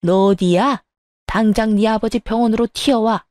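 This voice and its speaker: Brief: overbearing mother-in-law, played by a woman, low, slow, harsh scolding, mellow dry tone. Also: steady tone, dry recording, natural voice. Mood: enraged. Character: middle-aged mother-in-law, bossy and scolding. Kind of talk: story narration with acted voices.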